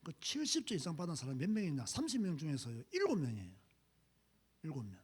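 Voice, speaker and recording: Husky, animated preaching man. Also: quick pace. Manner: emphatic, swings from low asides to loud exhortation. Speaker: pastor. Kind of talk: sermon.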